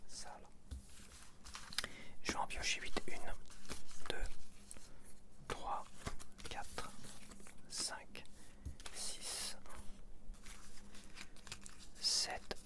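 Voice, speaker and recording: A man's voice: drawn-out words, pauses often. Whispering man, casual ASMR chat. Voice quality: whispered, unvoiced. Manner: murmured, hesitant thinking aloud in short phrases. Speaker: ASMR video host. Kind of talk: ASMR, casual chat while sorting sticker packets.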